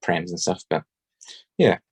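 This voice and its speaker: A man's voice: sits low, animated, unhurried, slightly rough, no room sound. A man giving a rambling, hesitant spoken submission at a public forum, with many ums and restarts. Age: adult parent.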